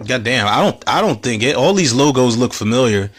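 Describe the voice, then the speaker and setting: A man with a slightly hoarse voice, hosting a casual movie commentary podcast, rambling and cursing as he talks. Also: medium pitch, expressive, fairly quick. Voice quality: rambling, profane, self-interrupting.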